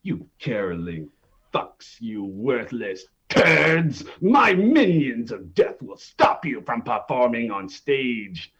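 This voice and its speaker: A sneering villain king growls out his threats, as a male narrator puts him on. The voice sits well below a plain speaking voice and drags along slowly. The recording is dull and lo-fi. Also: very animated, a bit bright, breathy edge, exaggerated voice. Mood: contemptuous. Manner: growling, slow, low.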